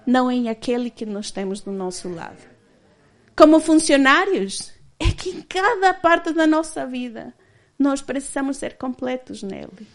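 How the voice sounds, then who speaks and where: A woman's voice: high-pitched, expressive, measured pace. A woman in her thirties giving a candid personal testimony as a church speaker, often laughing as she tells it.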